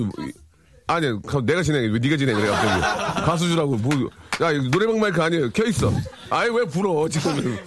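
A man's voice: fairly high pitch, noisy background. A man hosting a live broadcast, joking and teasing guests in a bantering way. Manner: teasing, joking, fast and animated. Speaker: live show host.

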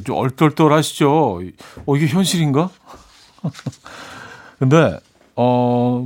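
A middle-aged man with a slightly high, slightly mellow voice hosts a radio music show in a chatty, casual manner. He reads out listener messages, jokes about them and plays up his reactions.

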